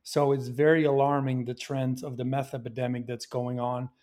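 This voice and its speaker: A man from Belgium answers questions about his film in a mid-range voice. He talks earnestly and thoughtfully, often pausing with fillers and restarting his sentences. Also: mid-range voice, flat delivery, darkish tone. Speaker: filmmaker. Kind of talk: interview answers.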